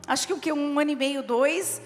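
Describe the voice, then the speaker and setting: A woman's voice: sits high, a little fast. A woman bishop with a Brazilian Portuguese accent preaching a sermon, reading scripture and explaining it with stories from her own family. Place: church service hall. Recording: reverberant hall with faint music behind.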